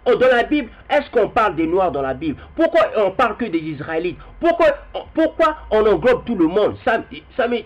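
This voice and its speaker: A young man with a high voice talks straight to his viewers. He rambles and doubles back on his words, and reads out passages here and there. The recording sounds dull and lo-fi. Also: very animated, normal speed, few pauses. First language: Kikongo heritage language. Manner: rambling, repeats words, addresses viewers directly. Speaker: video commentator. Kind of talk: spoken video commentary with readings.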